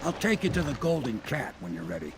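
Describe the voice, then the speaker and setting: A man playing a gruff, kindly river boatman in a video game, gravelly and folksy in plain working-class speech. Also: mid-range voice, very animated, fast talker, over music, lightly acted. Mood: plain-spoken, watchful. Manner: folksy, plain-spoken dialect. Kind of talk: video game character dialogue.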